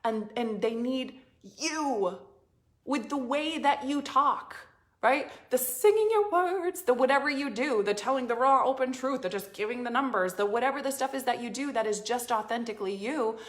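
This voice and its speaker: A woman's voice: a little high, moderate pace. A woman business coach giving a motivational talk, repeating phrases for emphasis and sometimes dropping to a near-whisper.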